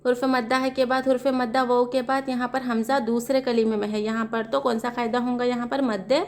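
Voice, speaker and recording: Speaking with a South Asian Urdu-Hindi accent, a female Quran reading teacher gives a slow recitation lesson, spelling out each letter and vowel mark. Her voice is on the high side and darkish, with little pitch movement. She explains the rules by posing questions.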